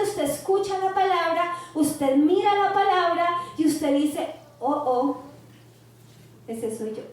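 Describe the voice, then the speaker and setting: A woman pastor with a Colombian accent preaches in a high voice, taking her time over each phrase. She teaches by turning to her congregation again and again for agreement. The sound rings with a heavy church-hall echo. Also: darkish tone. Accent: Colombian Spanish. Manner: teaching, asks the congregation "¿cierto?" often. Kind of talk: sermon.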